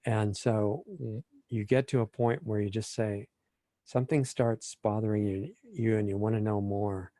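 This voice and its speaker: A man with a fairly low, warm, mellow voice talks slowly and thoughtfully as a guest in an interview on spiritual matters. His delivery is calm and measured, and the recording is dry with no room sound. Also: no echo.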